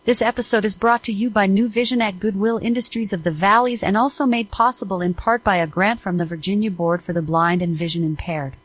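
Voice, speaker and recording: Woman announcer, medium-pitched. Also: a little fast, hardly any pauses, low-quality recording. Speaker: announcer reading the sponsor credits. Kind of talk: formal scripted announcement.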